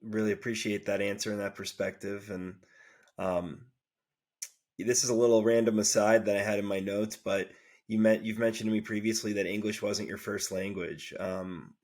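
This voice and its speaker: A man's voice: lowish voice, fairly even intonation, moderate pace, a little mellow. A man hosting a podcast, asking loose, rambling interview questions with fillers. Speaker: podcast host.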